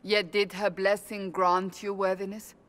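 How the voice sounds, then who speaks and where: A woman's voice: medium pitch, little pitch movement, slow pace, fairly bright tone. A woman playing a stern, devout warrior adviser in a fantasy game, speaking in a solemn, formal, earnest way. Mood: solemn conviction.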